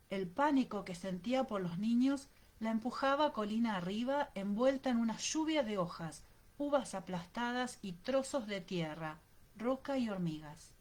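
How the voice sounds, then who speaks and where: A woman reading an audiobook aloud in a steady, dramatic narrating manner. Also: fairly high pitch. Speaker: audiobook reader.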